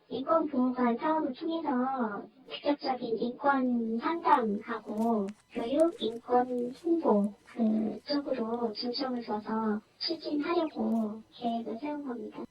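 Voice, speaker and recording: A city official explaining a decision in an official tone, heard through a voice disguise for anonymity. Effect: voice disguised by pitch-shifting for anonymity. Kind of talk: recorded interview clip. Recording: dull echoey clip with crowd noise.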